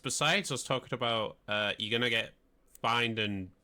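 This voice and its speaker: Very bright-voiced podcast co-host man. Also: mid-range voice, moderate pace. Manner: relaxed, reads headlines then chats loosely. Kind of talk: casual chat, reading news items.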